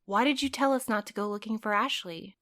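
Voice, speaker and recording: A woman playing a hesitant, gentle young courier in an audio drama. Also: medium pitch, a little fast, no room sound, studio quality, close to an everyday voice. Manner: hesitant, conciliatory.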